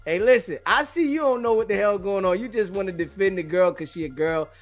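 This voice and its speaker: A man with a high voice hosts a heated call-in show over faint music. He is brash and dismissive, cursing freely as he pushes back in the debate. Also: a little fast. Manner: brash, combative, profane, dismissive. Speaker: talk show host.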